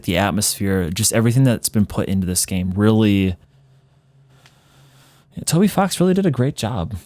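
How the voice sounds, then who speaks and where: A man's voice: on the low side, darkish tone, dry recording. A man hosting a let's play, chatting casually as he comments on a video game.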